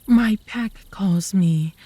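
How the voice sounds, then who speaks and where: A woman's voice: medium pitch, slow, warm tone, dry recording. A woman playing a smug, teasing, romantically obsessed werewolf in a comedic ASMR roleplay, with a sly, seductive manner. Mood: flirty, seductive.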